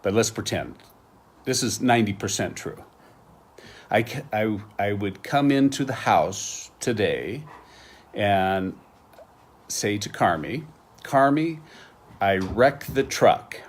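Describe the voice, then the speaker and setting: An American man, middle-aged, teaching a slang lesson with slow, patient explanations and examples. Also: fairly low pitch, animated.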